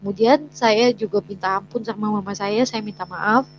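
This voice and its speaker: A woman's voice: medium pitch, steady tone, moderate pace. A woman sharing her personal testimony as a story, hesitant with many fillers and restarts, sometimes voicing what people said. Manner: acts out quoted dialogue in her story. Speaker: guest sharing a conversion testimony. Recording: dull lo-fi recording with faint hum.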